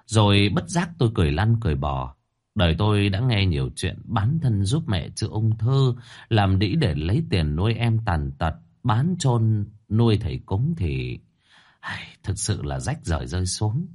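A man reading a first-person story aloud with expressive, dramatic delivery. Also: on the low side, normal speed.

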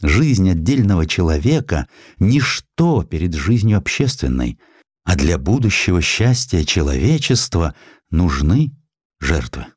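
A man reads as a dying young student, earnest and resolute. The voice is low and solemn, with measured declamation in a dry audiobook recording. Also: very animated, husky, no room sound, heavily acted.

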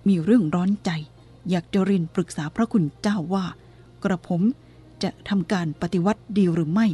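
A woman's voice: medium pitch, moderate pace, dark tone, lightly acted. A woman voicing an anxious government minister who speaks politely and deferentially.

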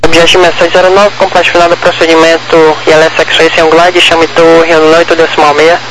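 Over a noisy walkie-talkie style radio, a Brazilian man gives air traffic control instructions. His voice is high for a man and stays very flat and procedural. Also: a little fast. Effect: radio transmission.

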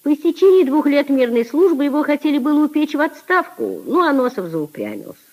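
A woman narrating a 1950s radio play in an expressive, declamatory reading style. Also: high voice, fairly quick.

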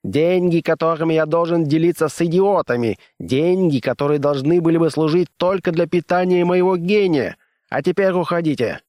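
A man's voice: medium pitch, fairly even intonation, darkish tone, no room sound, clean studio sound, voice pushed up, lightly acted. A male audiobook reader voicing a furious, unhinged male scientist who roars his lines. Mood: snarling. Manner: roaring, raised and drawn-out.

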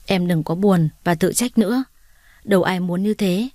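A woman voicing a gentle young man who softly comforts his girlfriend. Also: lowish voice, moderate pace, no echo, studio quality, lightly acted. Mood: soothing. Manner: soft, soothing.

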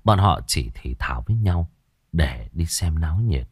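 Deep-voiced male ghost story narrator. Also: expressive, breathy edge, dry recording, clean studio sound. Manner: measured, suspenseful storytelling.

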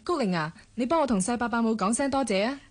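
An actress with a Hong Kong Cantonese accent playing a shy, polite young woman in a radio drama, speaking softly. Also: fairly high pitch, lively intonation, quick pace, lightly acted.

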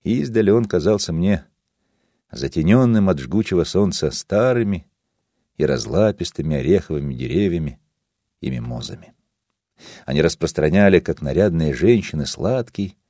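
A man reading a memoir audiobook in a measured, expressive manner. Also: very deep voice, no room sound, studio quality. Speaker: audiobook reader. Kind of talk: scripted literary narration.

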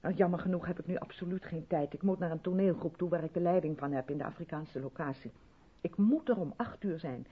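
An actress playing an effusive, self-absorbed white South African theatre director in a 1970s Dutch radio play, chatty and patronising in a theatrical way. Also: female voice, fairly low pitch, quick pace, breathy edge. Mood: chatty, purposeful. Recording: dull vintage radio recording.

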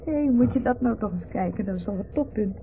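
Worried, caring wife played by a woman for radio drama, very animated intonation, narrow-band sound with clear background hiss. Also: medium pitch, brisk, close to an everyday voice. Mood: fretful. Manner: fretful, solicitous. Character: anxious, caring wife of a company director. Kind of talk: Dutch radio play acting. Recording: muffled, noisy old radio play recording.

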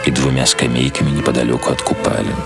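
Male narrator, extremely low voice, scripted literary reading, prominent music behind. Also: little pitch movement, fast talker, creaky. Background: loud music.

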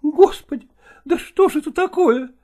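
A man voicing an excitable, complaining actress in an exclamatory, high-pitched manner. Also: moderate pace. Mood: dismayed. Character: excitable middle-aged actress, complaining and dramatic. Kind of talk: audiobook character voice.

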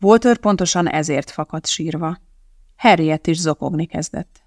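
An audiobook narrator reading a novel aloud in a steady, measured way. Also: medium pitch, no echo, clean studio sound.

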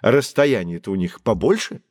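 A man playing a patient professor who explains things calmly to children in an audio drama. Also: fairly low pitch, moderate pace, dry recording. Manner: calm, lecturing explanations. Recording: dry studio recording.

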